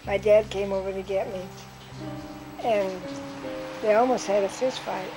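An older woman recounting memories from her life in an interview, telling stories lively and acting out what people said. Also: medium pitch, a little slow, over music, poor audio. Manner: lively storyteller who acts out quotes with laughs.

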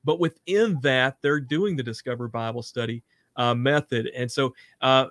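A man co-hosting a show over a video call who talks eagerly and often pauses on "uh". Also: medium pitch, a bit bright, no echo, clean studio sound. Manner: eager, hesitant, frequent "uh". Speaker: co-host. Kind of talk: casual video call conversation. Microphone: webcam on video call.

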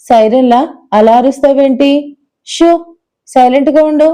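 A woman playing a cocky, short-tempered young man in a storybook drama, barking out brusque, scolding words. The voice sits a little high and very mellow. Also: moderate pace, close to an everyday voice. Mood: irritated. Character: young arrogant man, irritable and teasing.

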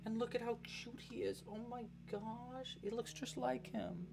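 A man's voice: very high-pitched, a little slow, gravelly, music in the background. A young man hosting a casual livestream crochet tutorial from a home studio. He chats with viewers, thanks donors and counts his stitches aloud as he works.

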